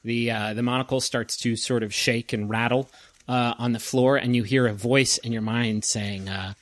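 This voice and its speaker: Halting, joking game master. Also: male voice, mid-range voice, steady tone, a bit bright, no room sound. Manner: halting narration full of uh and restarts, joking with swearing. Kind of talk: narrating a tabletop game.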